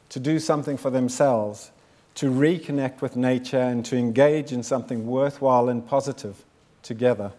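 Man, 50s, from South Africa; founder's keynote, measured and sincere, middle-pitched. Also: darkish tone. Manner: measured, earnest, builds with repeated phrases. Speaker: founder giving a talk. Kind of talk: prepared speech to an audience.

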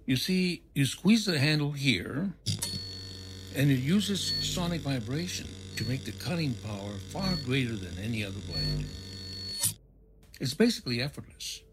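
A polite, obliging salesman in a radio drama, with a lively, varied intonation and a wary streak. Faint ambient noise sits behind him. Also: mid-range voice, a little slow. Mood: keen, selling. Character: obliging, wary male shop salesman selling hunting gear. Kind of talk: audio drama acting.

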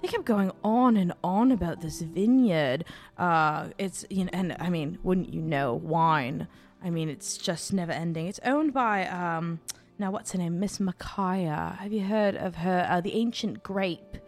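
A woman's voice: on the low side, a little slow, darkish tone, soft background music. Casting: woman doing sly flirt, sugary and coaxing, calls everyone darling. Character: scheming flirtatious woman, sweet-talking.

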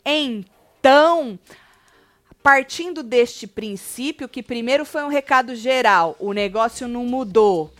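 A woman co-hosts a casual gossip chat with a slightly high voice. She retells events emphatically, with quoted asides. The sound is dry and close. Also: animated, takes it slowly, a bit bright, dry recording. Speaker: gossip show co-host.

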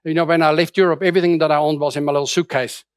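A man's voice: on the high side, fairly even intonation, very fast, no echo, studio quality. A middle-aged man from Austria preaching a sermon in a conversational way, with many restarts and fillers. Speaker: pastor.

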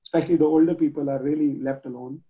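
A man from Pakistan talking earnestly about his nonprofit work as a guest on a video call, halting often with restarts and fillers. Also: fairly high pitch, steady tone, highs cut off. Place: home in Germany.

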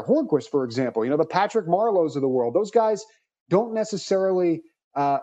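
A man hosting a sports podcast, delivering measured, analytical narration. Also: a little high, warm tone. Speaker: podcast host.

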